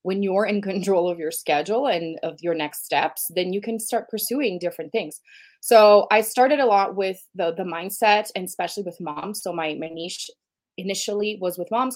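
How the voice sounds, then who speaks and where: A woman's voice: on the low side, moderate pace, a little mellow. A woman from Brazil, a business coach and podcast guest, who talks eagerly and at length. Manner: eager, talkative, laughs often. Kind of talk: conversational interview.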